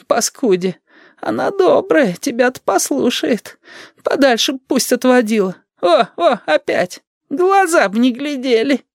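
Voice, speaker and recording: Man doing a creaky, shrill old granny. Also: dry recording, studio quality, full character voice. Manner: drawling, sing-song, high put-on voice. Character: grumbling old grandmother, nosy and sly.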